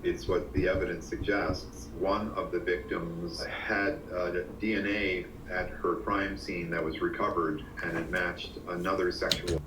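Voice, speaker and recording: A man speaking as an expert in a documentary, measured and factual. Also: deep voice, flat delivery, a bit bright. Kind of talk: documentary interview. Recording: roomy recording with noise.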